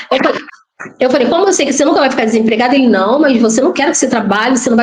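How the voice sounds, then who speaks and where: Ordinary pitch variation in a woman's high voice. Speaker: interviewee sharing life story. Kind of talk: interview testimony. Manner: fast.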